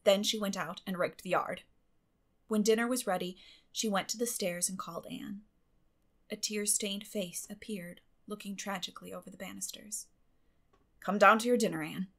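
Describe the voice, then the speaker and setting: A woman's voice: medium pitch, fairly even intonation, normal speed. A woman reading a classic novel as an audiobook narrator, in scripted literary storytelling style.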